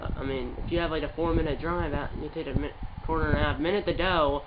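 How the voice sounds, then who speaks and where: A man's voice: on the high side, fairly even intonation, fast talker. A man with a stuffed-up voice commentating his football video game in a casual, rambling way, calling the plays as they happen. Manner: rambling, with restarts and play-by-play calls. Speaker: gaming channel host. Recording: muffled with background noise.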